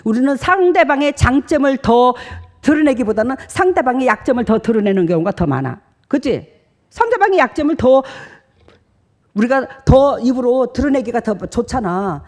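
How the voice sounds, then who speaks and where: A woman's voice: a little high, very animated, moderate pace, a little mellow. A woman pastor, preaching a sermon in a chatty storytelling way. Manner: chatty storytelling, acts out dialogues.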